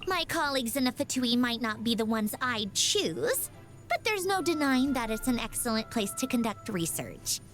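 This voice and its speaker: A woman's voice: fairly high pitch, very animated, moderate pace. An actress voicing a proud, ladylike young machine doll in a video game, with a prim, precisely worded delivery. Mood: composed, aloof. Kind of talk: scripted video game character voice lines. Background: music.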